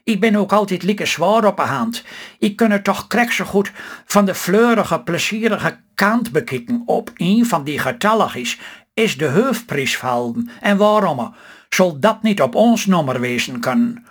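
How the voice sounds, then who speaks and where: A man's voice: high voice, expressive, measured pace, pitched above the performer's own voice. A man reading as a chatty, hopeful farm wife. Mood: eager. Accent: Stellingwerfs Low Saxon.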